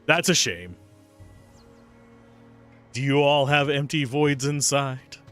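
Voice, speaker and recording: A young man commenting casually on a game he is streaming, chatty and jokey, with a slightly raspy voice. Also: medium pitch, slow, fairly bright tone, soft background music. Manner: chatty, jokey, reacts aloud.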